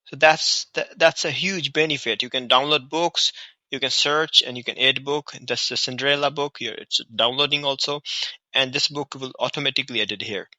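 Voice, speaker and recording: Very bright-voiced South Asian man giving a tutorial. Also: mid-range voice, fairly even intonation, normal speed, dry recording. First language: Hindi or Urdu. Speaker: app reviewer and tutorial host. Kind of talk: informal screen-recorded app tutorial.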